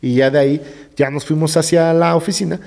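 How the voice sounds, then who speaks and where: A middle-aged man with a Mexican accent, a gravedigger telling ghost stories in a lively way, often dropping into hushed tones. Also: fairly quick, gravelly. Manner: vivid storyteller who sinks into hushed low tones. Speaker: gravedigger guest. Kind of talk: animated ghost-story telling in conversation. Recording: roomy reverb.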